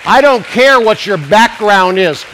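A man preaches a sermon while getting over a cold, his voice slightly congested. His pitch sits a little on the high side. He lingers slowly over scripture and swells into emphatic declarations. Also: animated, fairly bright tone, a little hiss or hum, low-quality recording. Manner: rising to emphatic preaching at climaxes; slows down to stress key scripture words. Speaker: pastor.

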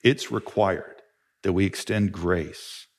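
A man's voice: sits low, slow pace. A man, a pastor, preaching an earnest and emphatic sermon with rhetorical questions.

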